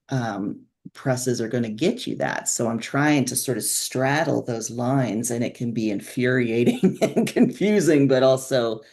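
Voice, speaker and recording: A woman speaks at a slow, unhurried pace as a guest in a relaxed interview. Her delivery is informal and thoughtful, with a wry edge. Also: a bass voice. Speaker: author and podcaster, interview guest. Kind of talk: casual conversational interview.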